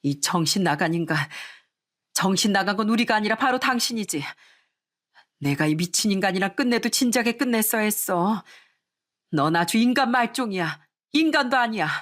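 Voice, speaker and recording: A woman's voice: medium pitch, lively intonation, moderate pace, natural voice. A woman voicing an enraged middle-aged mother who scolds her husband in a radio story. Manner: scolding, shouting.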